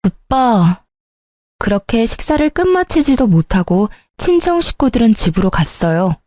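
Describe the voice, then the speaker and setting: A woman's voice: fairly high pitch, sing-song, normal speed, darkish tone, dry recording, studio quality. A woman narrating a dramatic story and voicing its heroine in a firm, indignant way.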